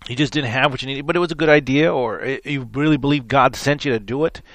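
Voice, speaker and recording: A man hosting a live Christian radio talk show, with a raspy, hoarse voice, talking in a rambling, repetitive, folksy preaching manner. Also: medium pitch, fast, a bit bright, dry recording. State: hoarse from many interviews. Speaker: radio show host and minister. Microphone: studio microphone.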